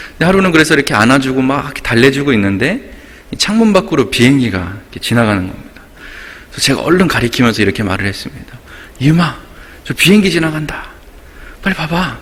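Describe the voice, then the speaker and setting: In a church sanctuary, a pastor delivers an early-morning prayer sermon, telling stories and acting out quotes. His mid-range voice is slightly bright, and the church hall adds a long reverb.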